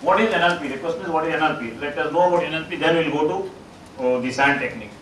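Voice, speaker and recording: A man's voice: fairly high pitch, fairly bright tone. Indian guy presenting at a conference, lots of uh, roomy hall, heard from way back. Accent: Indian English. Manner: halting, with frequent uh fillers and restarts. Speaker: psychologist giving a conference talk. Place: large auditorium stage. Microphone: distant room mic, speaker standing on stage. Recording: echoey auditorium, far from mic, noisy.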